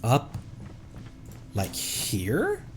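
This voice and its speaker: A man's voice: mid-range voice, wildly swooping pitch, very slow, slight background noise. A man doing casual live game commentary, rambling and muttering playfully to himself as he streams. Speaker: streamer, VTuber host. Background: game music.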